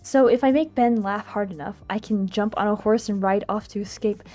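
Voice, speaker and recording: Woman VTuber, mid pitch, expressive livestream read-aloud of a visual novel, giggly asides, game music underneath. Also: moderate pace. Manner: giggly, expressive, stumbles while reading aloud. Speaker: streamer, VTuber.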